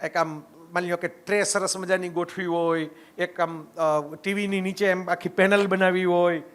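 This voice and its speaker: A man's voice: high-pitched, flat delivery, normal speed, a bit bright. A middle-aged man, giving a conversational lecture that mixes stories with reflection and often checks in with the audience. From Gujarat, India. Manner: conversational, keeps asking "right?" to the audience. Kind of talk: storytelling public talk.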